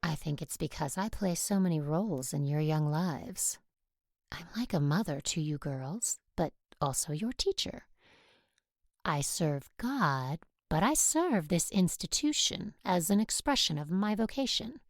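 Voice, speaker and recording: A woman acts out a stern Catholic teaching sister in an audio drama. Her voice is on the low side and very unhurried, with formal, careful phrasing in a dry recording. She admonishes with controlled, falsely tender authority. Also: lively intonation, no room sound. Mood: probing, earnest.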